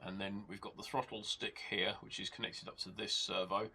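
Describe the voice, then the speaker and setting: A low, gravelly man, nose stuffed up from a cold, talks through a hobby gadget in an easygoing, step-by-step way. He is in his workshop, and rain and the hum of a model engine are clearly heard behind him. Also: normal speed. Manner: explains step by step, relaxed, with hesitations. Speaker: channel host reviewing a hobby gadget. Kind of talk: casual product demonstration. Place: home workshop with rain outside.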